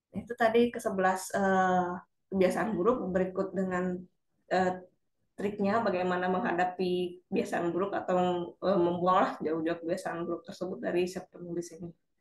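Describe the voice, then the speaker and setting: A woman with a medium pitch talks at a moderate pace in a monotone, flat intonation. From Sumatra, Indonesia. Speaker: civil servant presenting a book review. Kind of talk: book review presentation. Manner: casual, with fillers.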